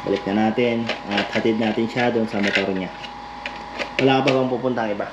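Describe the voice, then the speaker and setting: A man's voice: fairly low pitch, steady tone, brisk. A Filipino man hosting a vlog, chatting casually and jokingly while demonstrating a product in an informal, buddy-like way. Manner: jokey, informal, addresses listener as brother. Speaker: vlog host giving away and demonstrating a product. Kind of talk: casual chat and hands-on demonstration. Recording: noisy lo-fi recording with vehicle ambience.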